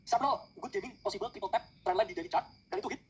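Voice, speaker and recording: A man's voice: sits high, animated, very fast, breathy edge, poor audio. A man rattling off crypto trading calls in a casual podcast chat, mixing English trading jargon into his talk.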